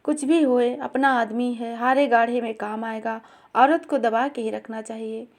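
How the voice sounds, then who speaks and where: Storybook part: a woman doing a timid hunchbacked woman, soft and pleading, slightly high voice. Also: fairly even intonation, a little slow. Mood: earnest. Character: hunchbacked older woman, meek and devoted.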